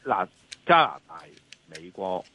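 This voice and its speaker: Over a dull, lo-fi call line, a husky-voiced man with a Hong Kong accent gives market commentary. His pitch swings widely as he argues emphatically and keeps asking the listener to agree. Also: very animated, slow pace, bright, forceful tone, dry recording. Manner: emphatic, repeatedly seeks agreement with rhetorical questions. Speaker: financial analyst and columnist, guest. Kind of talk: off-the-cuff market commentary in an interview.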